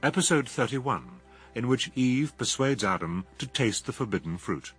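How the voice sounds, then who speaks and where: A man's voice: medium pitch, expressive, normal speed, a bit bright, slightly rough. A man reading scripted programme credits as a radio announcer. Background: faint music.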